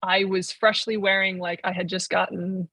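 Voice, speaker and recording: A man's voice: sits high, little pitch movement, normal speed, bright, forceful tone, no room sound. A 21-year-old trans man and podcast guest, chatting casually and rambling with lots of "like.". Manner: rambling, heavy use of "like". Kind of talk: casual conversation.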